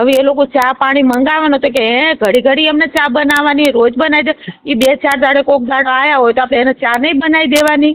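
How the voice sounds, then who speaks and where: A woman's high-pitched voice with fairly even intonation and very even loudness. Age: 60s. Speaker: mother-in-law in family dispute. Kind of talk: phone argument.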